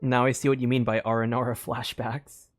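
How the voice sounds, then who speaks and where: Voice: medium pitch, little pitch movement, moderate pace, faint music behind. A streamer casually commenting on a story game, rambling and laughing between thoughts.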